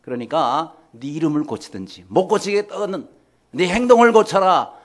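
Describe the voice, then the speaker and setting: A man's voice: fairly high pitch, lively intonation, moderate pace, natural voice. A man voicing a furious, commanding male emperor who barks his orders. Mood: stern. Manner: shouting, barking orders.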